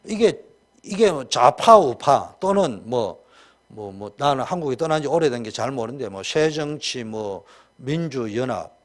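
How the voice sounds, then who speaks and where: A man with a Gyeongsang Korean accent preaching a sermon as pastor, colloquial and emphatic, with many rhetorical questions. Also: medium pitch.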